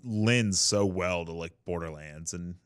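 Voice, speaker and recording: A man's voice: low-pitched, measured pace, clean tone. A man in casual, joking conversation on a podcast panel, peppering his loose sentences with filler words.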